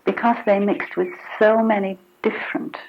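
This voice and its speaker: A woman's voice: medium pitch, flat delivery, normal speed, creaky. A middle-aged woman with a British accent, explaining family life plainly in an interview. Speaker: interviewed mother. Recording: dull, hissy 1970s film soundtrack.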